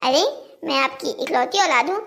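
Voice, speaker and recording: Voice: high-pitched, moderate pace, gravelly, fairly bright tone. A performer voicing a cheeky, childish boy who pleads and argues brazenly in a cartoon moral story. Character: cheeky, childish cartoon boys making earnest excuses.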